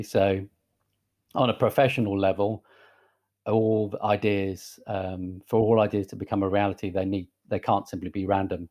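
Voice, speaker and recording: Low-voiced man, soft northern English accent. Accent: Northern English, softened by southern England. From northern England. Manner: relaxed, hesitant, with many fillers and restarts. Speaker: guest, creative director. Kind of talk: casual podcast interview.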